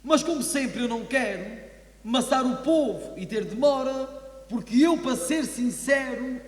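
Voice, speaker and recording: High-pitched man declaiming in an echoey hall. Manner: theatrical, declamatory verse delivery. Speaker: carnival monologue performer. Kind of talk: rhymed comic stage monologue, declaimed. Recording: echoey hall with long reverb.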